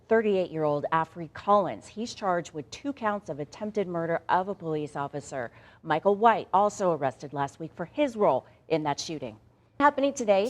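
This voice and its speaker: A woman anchoring morning news, mixing read stories with playful, casual banter aimed straight at listeners. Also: lowish voice. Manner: conversational, playful, addresses listeners directly.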